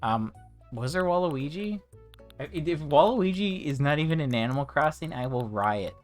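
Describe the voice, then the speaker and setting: A man's voice: fairly high pitch, expressive, normal speed. A man streaming a game, chatting casually in a rambling, ranting way with many restarts, interrupted by hiccups. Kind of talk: casual livestream chat while playing. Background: game music.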